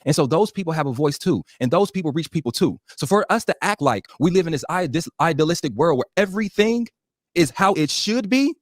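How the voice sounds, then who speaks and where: Fast-talking, blunt man in a debate. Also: fairly high pitch, animated, no room sound, clean studio sound. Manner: blunt, defensive, repeats himself when pushed. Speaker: podcast guest. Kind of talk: heated debate.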